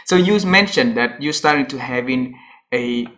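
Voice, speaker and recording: A man's voice: medium pitch, lively intonation, moderate pace, a bit bright. A man interviewing a guest, who restarts his questions and affirms what the guest says.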